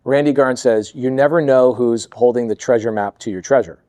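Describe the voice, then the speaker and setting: A man of middle pitch tells a story to his podcast host, animated and quick to act out what others said. He sounds dry and close, with no room around him. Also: dry recording. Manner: animated storyteller, acts out quoted voices. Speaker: podcast guest, real estate investor. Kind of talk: storytelling interview chat.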